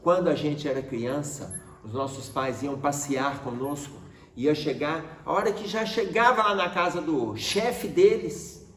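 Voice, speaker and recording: A man's voice: on the high side, a little slow, fairly bright tone, slight background noise. A man giving an explanatory talk to an audience, speaking animatedly and turning often to his listeners with rhetorical questions. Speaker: spiritist study presenter. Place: room with a presentation board. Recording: roomy echo, mic at a distance.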